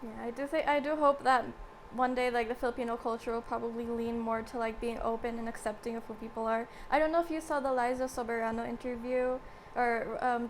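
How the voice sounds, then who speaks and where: A woman's voice: a little high, slight background noise, rough recording. Chatty young woman hosting. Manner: chatty, fills with "like". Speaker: host. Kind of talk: casual chat.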